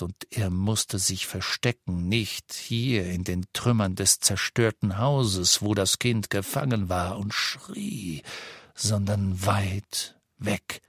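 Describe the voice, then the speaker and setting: A man narrating a fantasy novel in a measured, dark storytelling manner. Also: sits low, husky, no echo, clean studio sound. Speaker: audiobook narrator.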